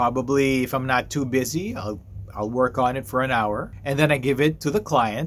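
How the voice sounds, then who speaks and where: A man speaks in an unremarkable speaking voice at a medium pitch. His pitch varies in an ordinary way, and his pace is moderate. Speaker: voiceover artist and radio production manager. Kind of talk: explainer talk to camera.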